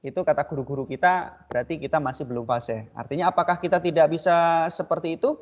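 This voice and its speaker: A male teacher with a fairly high voice walks students through pronunciation, repeating each Arabic sound slowly and patiently. The recording is dull and lo-fi, with the top end rolled off. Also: fairly even intonation. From Indonesia. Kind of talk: online tajwid lesson.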